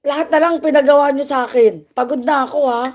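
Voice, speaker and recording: A woman's voice: high-pitched, fairly even intonation, fast talker, a little mellow. A playful, teasing woman from the Philippines chatting casually on a livestream, laughing often. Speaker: vlogger.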